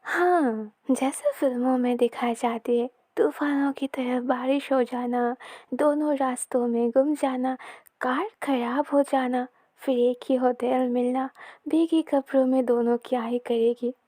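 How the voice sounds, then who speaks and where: A woman's voice: sits high, fairly even intonation, measured pace, dark tone, no room sound, clean studio sound. A woman voicing a teasing young woman friend. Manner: playful, teasing.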